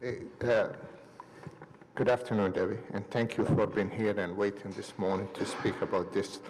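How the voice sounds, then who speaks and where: A man's voice: fairly low pitch, steady tone, normal speed, darkish tone, slight background noise. A man serving as a city councillor, politely questioning a witness, hesitant with many fillers. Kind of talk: questioning a witness at a public meeting. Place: city council committee chamber. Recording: reverberant council chamber.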